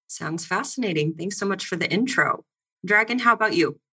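Brief: woman panel moderator, bright and clear, friendly and brisk. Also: medium pitch, expressive. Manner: friendly and upbeat, keeps things moving.

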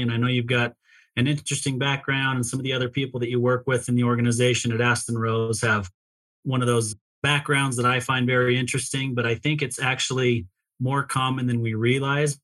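A man's voice: mid-range voice, fairly bright tone. A man with a mid-range voice hosts an interview podcast. He welcomes listeners and guides his guest in a friendly, wordy way, with the easy rhythm of practiced introductions. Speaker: podcast co-host.

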